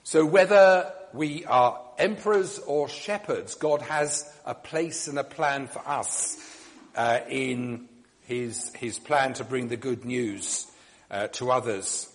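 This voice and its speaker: A man leading a church service, delivering a measured reflection and blessing with frequent ums, his voice carrying in a long churchlike reverb. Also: medium pitch.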